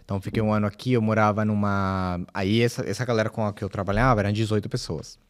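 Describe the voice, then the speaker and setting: A man, a podcast guest telling his story in a relaxed, rambling way with many fillers. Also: fairly low pitch, quick pace, clean tone. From Colombia. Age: 30s. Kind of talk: casual podcast conversation.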